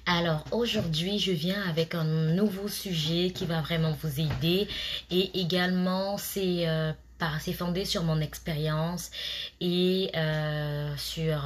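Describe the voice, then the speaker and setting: A woman in her thirties talks straight to her followers in a low, husky voice, offering tips from her own working life. Her delivery is relaxed and chatty, full of fillers and little restarts. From immigrant to Canada. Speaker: vlogger giving job interview tips. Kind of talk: casual advice talk to camera.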